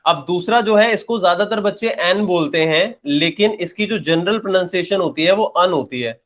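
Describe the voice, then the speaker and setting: At a moderate pace and with a high-sitting voice, a young Indian man teaches English grammar. He works like a classroom teacher, explaining and checking, repeating points and supplying answers to his own questions.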